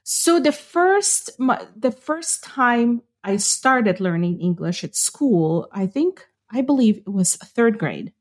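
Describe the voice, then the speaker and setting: A woman's voice: fairly high pitch, lively intonation, slow pace, few pauses. Middle-aged woman, thoughtful. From Ukraine. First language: Ukrainian. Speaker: podcast co-host. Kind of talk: casual chat.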